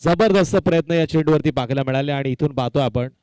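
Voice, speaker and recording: Male cricket commentator, smooth resonant voice pitched a little high, emphatic live delivery. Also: quick pace, darkish tone, no echo. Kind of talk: live local tournament cricket commentary with announcements.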